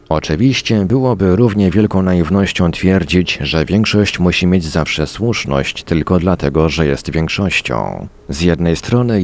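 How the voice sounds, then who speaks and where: A man narrating a scripted audiobook for radio in a measured, formal storytelling manner. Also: low-pitched, darkish tone.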